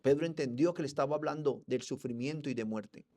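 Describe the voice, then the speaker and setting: A male Colombian preacher delivers an expository sermon in a Colombian accent. He speaks with fervor and turns often to the congregation as brothers. His voice sits at a middling pitch for a man. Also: brisk, darkish tone. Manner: fervent, addresses the congregation as brothers. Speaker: pastor.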